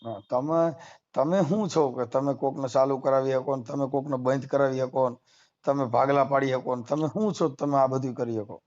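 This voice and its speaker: A man's voice: mid-range voice, steady tone, moderate pace, darkish tone. A man with a Gujarati accent argues heatedly on a phone call, insistent and combative, pressing his points with repeated rhetorical questions. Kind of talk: heated argument over the phone. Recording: muffled lo-fi phone call recording.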